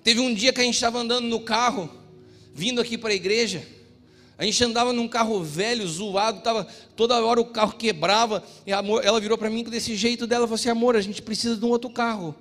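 A middle-aged Brazilian pastor preaching a sermon with personal stories, shifting between loud exhortation and quiet storytelling. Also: male voice, very high-pitched, fairly even intonation, quick pace. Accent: Brazilian Portuguese. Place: church. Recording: reverberant church hall with music.

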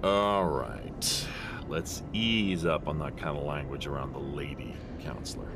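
An actor playing a gruff, pious deputy marshal in an audio drama, talking in a dry, folksy, deliberate storyteller's way. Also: male voice, very deep voice, over loud music. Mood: exasperated.

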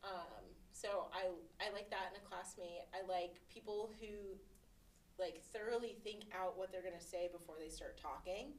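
A woman's voice: fairly low pitch, normal speed, a little hiss or hum, rough recording. A woman in her twenties chatting casually as a podcast co-host, telling stories in a candid, sarcastic way. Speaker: podcast co-host, law student. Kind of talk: casual chat.

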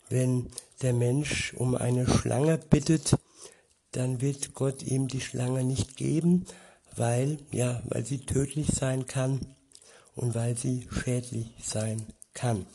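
A man giving an informal Bible teaching, reflective and hesitant, often pausing with fillers. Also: mid-range voice, gravelly, mellow, a little hiss or hum. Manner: slow, reflective, with frequent hesitations. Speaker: preacher.

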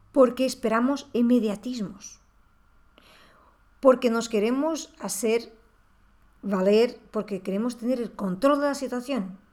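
A woman talking through a reflective monologue on parenting, asking the listener rhetorical questions. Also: fairly high pitch. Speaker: parenting podcast host.

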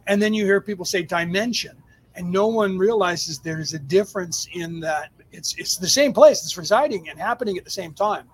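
A man's voice: sits high, moderate pace, breathy edge. A man giving an off-the-cuff spiritual talk to a live chat, explaining emphatically in stop-and-start phrases. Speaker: spiritual teacher answering audience questions on a livestream.

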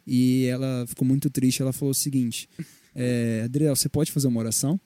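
Fast-talking young Brazilian man, very mellow tone. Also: mid-range voice, no room sound. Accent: Brazilian Portuguese. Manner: animated storyteller, acts out quoted dialogue. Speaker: podcast co-host. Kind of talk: casual Christian podcast chat, storytelling.

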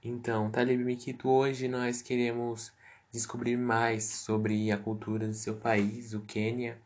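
A man hosting a podcast interview, asking questions slowly with hesitant fillers. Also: mid-range voice, monotone.

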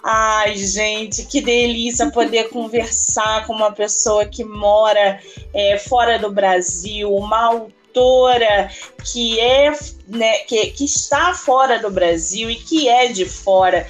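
Brazilian woman, podcast host, slow effusive delivery, higher voice. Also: steady tone, soft background music. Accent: Brazilian Portuguese. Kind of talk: friendly podcast interview.

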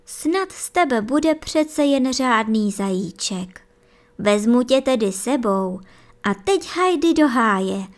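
A woman's voice: on the high side, lively intonation, natural voice. A woman voicing a strict but caring mother hare who speaks firmly. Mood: softening. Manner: stern, firm commands.

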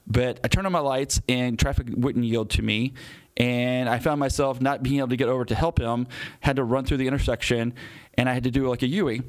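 Man, police officer, 30s, interview storytelling, earnest, medium pitch. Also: brisk. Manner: earnest, animated retelling with acted-out quotes.

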